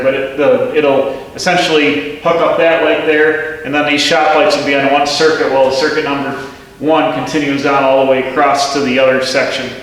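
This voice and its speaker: Working in a pole barn workshop, a DIY channel host narrates each step of his project casually, thinking out loud and often restarting his sentences. His medium-pitched voice has a fairly bright tone, and the space sounds echoey and reverberant.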